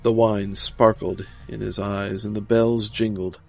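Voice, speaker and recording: A man reading scripted gothic horror narration in a dramatic, measured manner. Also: on the low side, little pitch movement, vocal fry. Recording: music behind the voice.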